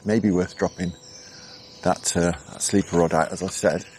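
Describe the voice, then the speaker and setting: A middle-aged man from England talks through his fishing session outdoors on a canal bank at dawn. His voice sits low and deep, and his manner is relaxed and chatty, thinking aloud with easy fillers. Faint outdoor ambience with birdsong runs underneath. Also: normal speed, a little hiss or hum. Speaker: angling vlogger. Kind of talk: casual commentary while fishing. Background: birdsong and insects.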